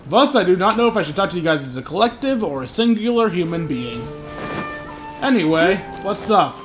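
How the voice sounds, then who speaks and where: Guy doing a casual lets play, highish voice, rambly jokey asides, music going behind him. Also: very animated, fairly quick. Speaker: gaming YouTuber commentating his play. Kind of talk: casual playthrough commentary. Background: video game music.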